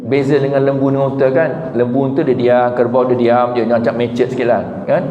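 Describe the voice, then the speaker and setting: A man preaching to a congregation, animated and humorous, with high emphatic peaks. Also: a little fast. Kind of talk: religious talk to a congregation. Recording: echoey hall, dull lo-fi sound, faint noise.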